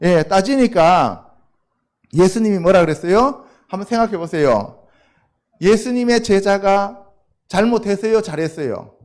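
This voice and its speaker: A male pastor gives a sermon to young adults in a high, very animated voice that rises and falls widely. He talks in an everyday, colloquial way. He keeps putting quick questions to the congregation and then answers them himself. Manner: colloquial, conversational preaching.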